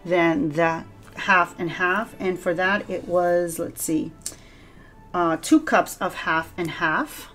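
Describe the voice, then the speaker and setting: A woman with a Cuban accent narrates her kitchen cooking in a chatty, self-deprecating way. Her voice sits somewhat low. Soft music plays faintly underneath. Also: slow. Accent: Cuban Spanish. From Cuba. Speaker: cooking vlogger. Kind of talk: casual cooking voice-over. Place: home kitchen.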